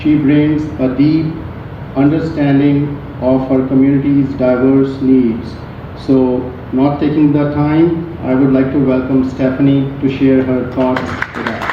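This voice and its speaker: A man serving as emcee at a community event, reading a formal introduction of a speaker in a measured way. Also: medium pitch, level tone, far from the mic, a little hiss or hum. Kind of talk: read-out introduction. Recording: echoey muffled PA sound from afar.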